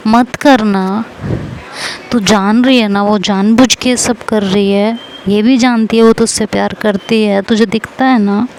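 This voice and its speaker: A woman's voice: medium pitch, fairly even intonation, a little slow, a little mellow, slight background noise, natural voice, poor audio. A woman voicing a young woman who consoles her best friend with coaxing affection. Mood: consoling. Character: young woman friend, teasing then tender, confesses love.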